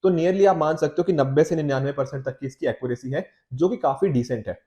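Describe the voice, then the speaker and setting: A man's voice: on the high side, fast talker, dark tone, muffled recording. An Indian man lecturing in a conversational, explanatory way as a teacher, often checking in with listeners, his throat a little off from a slight cold. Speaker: teacher, exam coach. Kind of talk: explanatory lecture on newspaper editorials, Hindi mixed with English.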